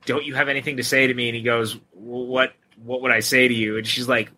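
A man's voice: medium pitch, little pitch movement, quick pace, pushed and bright, slight background noise. A man co-hosting a podcast, casually and enthusiastically talking through scenes of a film. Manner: enthusiastic, recounts scenes with quoted lines. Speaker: podcast co-host.

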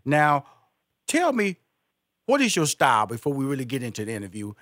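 A man's voice: mid-range voice, huge pitch swings, a little fast, fairly bright tone, no echo, studio quality. A man hosting a radio interview, enthusiastic and given to repeating words as he starts a thought. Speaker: interview host.

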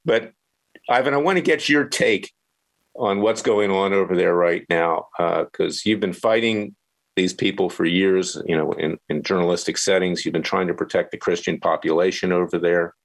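Very deep-voiced combative talk show host. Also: male voice, normal speed, creaky. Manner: forceful, interrupting, blunt.

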